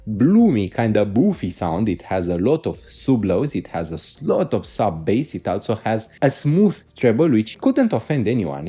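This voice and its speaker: A man's voice: medium pitch, warm tone, slightly rough. A man with a Romanian accent giving a casual spoken gear review as a reviewer, explaining things emphatically and enthusiastically.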